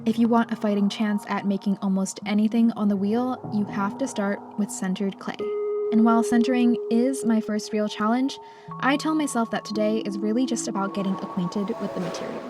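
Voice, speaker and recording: Woman narrating a calm travel vlog. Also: medium pitch, a little fast. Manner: calm, reflective storytelling. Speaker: vlogger and pottery student. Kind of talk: scripted voice-over narration. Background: background music.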